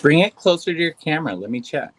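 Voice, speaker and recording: In a stage play performed over video call, an actress plays an anxious trans woman volunteering on a visual-help app, hesitantly assisting a caller and often saying "I'm sorry." Her voice is low-pitched, animated and fast, and she sounds earnest. The audio is poor, with slight background noise.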